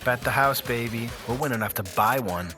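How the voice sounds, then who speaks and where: Music plays clearly behind a male actor as a cocky young man who races scooters. He talks at a middling pitch in breezy, boastful slang, as audio drama dialogue. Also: fairly quick, sharp tone, lightly acted. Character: cocky young male scooter racer, sure he'll win.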